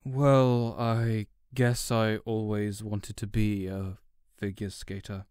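A man's voice: on the low side, flat delivery, slow, darkish tone, smooth, no echo, clean studio sound. A man playing a gloomy, self-doubting male supervillain businessman in an audio roleplay, speaking in a hesitant, reserved way. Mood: embarrassed. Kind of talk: character audio roleplay acting.

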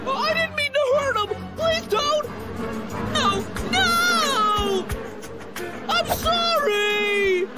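Very high-pitched childlike cartoon bear. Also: female voice, animated, drawn-out words, exaggerated voice. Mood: pleading. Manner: exclamatory, playful cartoon delivery. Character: childlike, excitable, naive younger bear brother. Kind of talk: animated cartoon dub acting. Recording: music under the voice.

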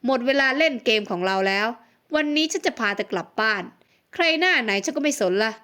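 A woman's voice: high voice, lively intonation, a little fast, pushed and bright. A woman voicing a domineering, arrogant young male mafia boss in an audiobook, scolding and menacing. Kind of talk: audiobook character voice.

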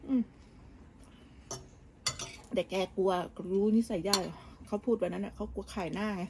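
A woman vlogger with a mid-range, steady voice and some vocal fry chats at normal speed while cooking in her home kitchen abroad. She gossips casually about family, restarting sentences and using lots of fillers. The background is noisy.

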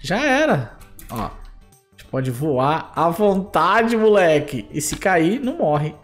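A Brazilian man commentating his Minecraft play as a YouTuber, excitable, squealing and shouting when startled. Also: a little high, takes it slowly, faint music behind. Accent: Brazilian Portuguese. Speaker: gaming YouTuber.

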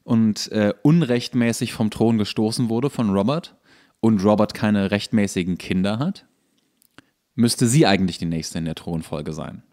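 A man co-hosting a podcast, explaining a TV series in casual chat with halting, searching delivery. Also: fairly low pitch, a little mellow. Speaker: podcast co-host.

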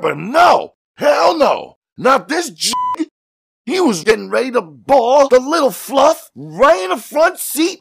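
A man's voice: very high voice, gravelly, fairly bright tone, slightly rough, voice pushed up, exaggerated voice. A man voicing a young, hot-tempered, foul-mouthed policeman in a harsh, roaring manner for an audiobook.

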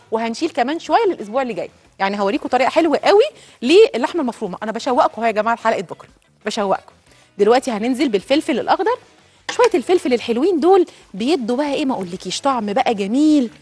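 A woman's voice: on the high side, slightly rough. A woman with an Egyptian accent hosting a cooking show, chatting directly to viewers as she cooks. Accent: Egyptian Arabic. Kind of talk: cooking demonstration.

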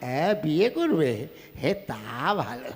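A man's voice: fairly high pitch, wildly swooping pitch, a little slow. A man playing a deaf old village codger. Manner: loud, squabbling, mishears everything. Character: hard-of-hearing old village man eager to remarry. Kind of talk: puppet show folk comedy. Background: folk music.

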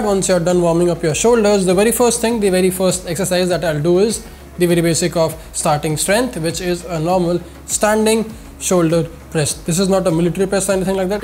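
High-pitched, congested nasal Indian man. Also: a little mellow. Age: 20s. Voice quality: nasal, congested whine from a head cold. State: sore throat and common cold. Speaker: fitness channel host. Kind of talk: scripted-style instructional vlog to camera. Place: indoor studio with plain backdrop. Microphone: lapel mic.

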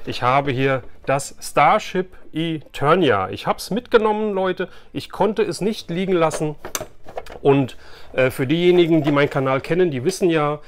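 A man chats casually and colloquially to camera as an enthusiastic host. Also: fairly high pitch. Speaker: YouTube host, toy collector. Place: small furnished room lined with shelves of collectibles.

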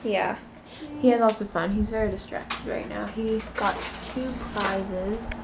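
A woman in her twenties, a mother vlogging at home at night, chatting casually and slowly to a phone held at arm's length. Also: medium pitch, creaky, background noise. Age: 20s. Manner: relaxed, chatty, slow. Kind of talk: casual vlog chat to camera. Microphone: phone camera at arm's length.

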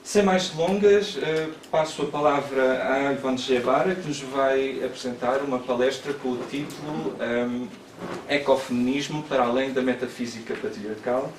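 A man's voice: mid-range voice, normal speed, recorded from a distance. A man, introducing a guest speaker in a seminar room, hesitant with many fillers. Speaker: event moderator. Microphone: far room camera. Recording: echoey room from afar, background noise.

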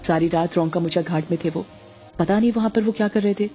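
Brief: an insistent young daughter, read by a woman, mellow voice, faint music underneath. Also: lowish voice, fast, highs cut off, close to an everyday voice. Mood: pleading. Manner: insistent, pleading.

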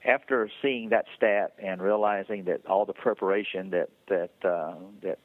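Middle-aged man, very low voice, halting phone-interview guest, tinny line. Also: steady tone, no echo. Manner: halting, many fillers and restarts. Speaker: interview guest, foundation founder.

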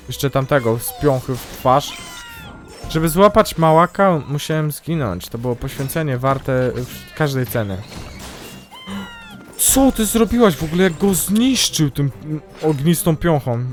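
A young man commentating his own gameplay, excitable and yelping loudly whenever something goes wrong. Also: mid-range voice. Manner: excitable, yelps and shrieks at mishaps. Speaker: gaming YouTuber. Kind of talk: let's play commentary.

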